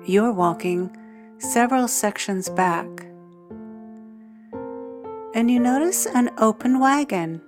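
A woman guiding a sleep meditation in a soothing, hushed, measured manner with long pauses between phrases. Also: a little high. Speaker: meditation guide, podcast host. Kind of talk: guided sleep meditation narration. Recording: music under the voice. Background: soft guitar and piano music.

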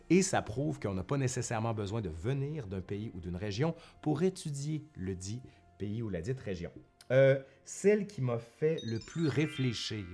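A man's voice: medium pitch, darkish tone. A man with a Québécois French accent talking casually to his viewers like a professor turned vlogger, chatty and often correcting himself. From Quebec, Canada. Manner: chatty, self-correcting, with colloquial asides. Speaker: history YouTuber and university professor. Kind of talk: casual vlog monologue to viewers. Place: at home in front of a bookshelf.

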